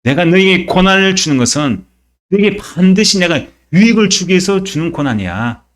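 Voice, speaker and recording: A man's voice: high-pitched, lively intonation, a little fast. A male pastor voicing God speaking tenderly and reassuringly to a believer, inside a sermon.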